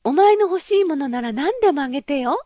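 A woman voicing a pampered, petulant young princess in a storybook reading, high and girlish. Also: animated, fairly quick, mellow, dry recording. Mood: eager. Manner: high girlish pleading, haughty. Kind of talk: audiobook character voice.

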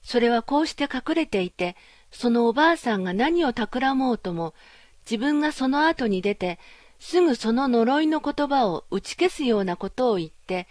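A woman narrating a fairy tale in a gentle, measured reading style. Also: fairly high pitch, no echo, studio quality. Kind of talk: storybook narration.

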